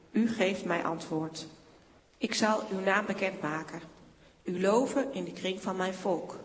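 A woman reading scripture aloud in church with a measured, solemn delivery. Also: mid-range voice, in a large hall. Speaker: scripture reader.

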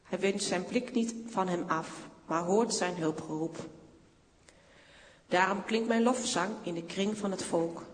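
A woman reading scripture aloud in church with a measured, solemn delivery. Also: on the low side, big-room sound, slight background noise. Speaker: scripture reader.

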